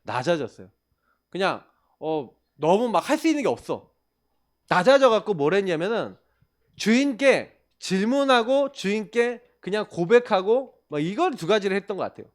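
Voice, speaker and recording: A man's voice: high-pitched, moderate pace. A male pastor giving a sermon to young people, telling stories with energy, speaking to listeners directly and answering his own questions. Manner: animated storytelling, addresses listeners directly and calls himself the pastor; poses questions and answers them himself.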